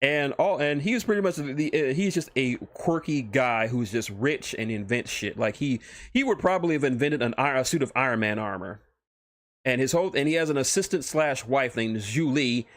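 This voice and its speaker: A man's voice: mid-range voice, normal speed. A man hosting a livestream, chatting casually and rambling with profane, enthusiastic fan talk into a close microphone. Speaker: streamer, host. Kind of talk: casual livestream chat about fan fiction.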